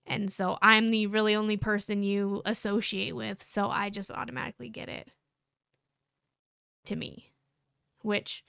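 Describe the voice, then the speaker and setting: Woman co-host, bright clear voice, earnest and rambling, candid chat. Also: medium pitch, level tone, moderate pace, hardly any pauses, no room sound, studio quality. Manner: earnest, rambling with many fillers. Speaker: podcast co-host. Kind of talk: candid couple's conversation.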